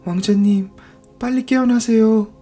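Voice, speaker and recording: Storybook mermaid girl, acted by a man: high-pitched, innocent, yearning. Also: fairly even intonation, a little slow, warm tone, soft background music. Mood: anxious, pleading. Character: young mermaid princess, longing and innocent girl.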